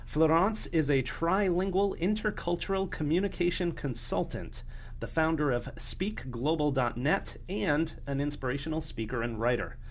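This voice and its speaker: A man's voice: fairly high pitch, lively intonation, normal speed, a little hiss or hum. A man co-hosting a podcast, introducing topics and guests in an earnest, slightly self-conscious way with fillers. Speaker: podcast co-host. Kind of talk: podcast interview.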